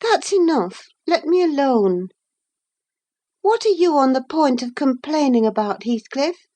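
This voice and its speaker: A woman's voice: high voice, lively intonation, measured pace, dark tone, pitched above the performer's own voice. A woman reading aloud who voices a petulant young woman, making her complaining and raised well above her own voice. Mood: peevish. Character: petulant, peevish young woman, quick to irritation.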